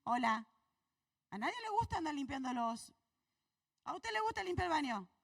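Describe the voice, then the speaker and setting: A woman pastor with an Argentine accent preaches from the pulpit in a high voice, pushing the congregation with questions. Her delivery climbs and drops. She is picked up from some distance with little room echo. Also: very animated, moderate pace, gravelly. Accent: Argentine Spanish. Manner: preaches to the congregation with rhetorical questions, voice rising and falling. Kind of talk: sermon. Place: church hall.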